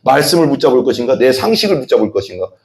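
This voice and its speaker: A man's voice: mid-range voice, rapid-fire. Male pastor preaching a sermon, voices the quotes himself and asks the congregation questions. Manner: animated, acts out voices in quoted dialogue; asks the congregation questions and has them repeat.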